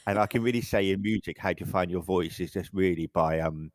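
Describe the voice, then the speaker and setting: A man's voice: sits low, fairly quick, dry recording. A middle-aged English man, a photographer, chatting casually in an interview and often restarting his sentences. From England. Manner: rambling, self-correcting, frequent stammered restarts. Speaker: photographer guest.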